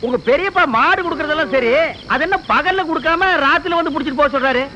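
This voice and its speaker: A mocking man, film comedy, high-pitched, bright forceful tone. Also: fast talker, dull audio, a little hiss or hum. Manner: brash, mocking, scolding retorts. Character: loud quarrelsome village man, sharp-tongued and mocking. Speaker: comic actor in a film.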